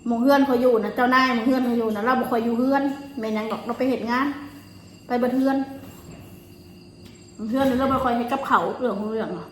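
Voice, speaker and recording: Higher-pitched Isan woman, chatting while chewing. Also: steady tone, fast talker. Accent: Isan, northeastern Thai. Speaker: vlogger. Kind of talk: casual chat, recounting personal stories. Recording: roomy echo, faint noise, insects.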